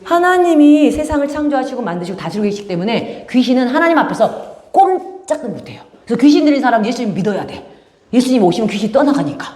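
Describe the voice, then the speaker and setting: A woman's voice: on the high side, sing-song, fast, a little mellow, echoey room. A woman teaching children in a church service, telling a story with lots of questions to the kids. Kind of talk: children's sermon. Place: church room.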